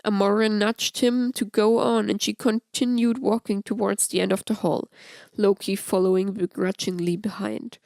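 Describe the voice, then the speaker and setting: A woman's voice: mid-range voice, little pitch movement, moderate pace, a little mellow, no echo. A woman reading scripted fan fiction aloud as an audiobook narrator.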